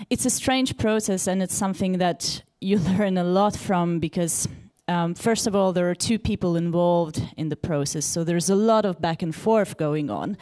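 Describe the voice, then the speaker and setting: Measured woman translator. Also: lowish voice, a little mellow. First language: Lithuanian. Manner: thoughtful, measured, with ums. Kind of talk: panel discussion.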